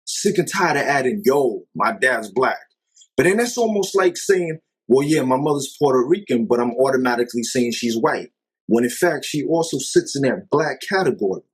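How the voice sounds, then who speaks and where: Man, husky voice, middling pitch, emphatic, exasperated, rhetorical questions, vlog commentary. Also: animated, moderate pace, low-quality recording. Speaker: vlogger. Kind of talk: impassioned commentary monologue.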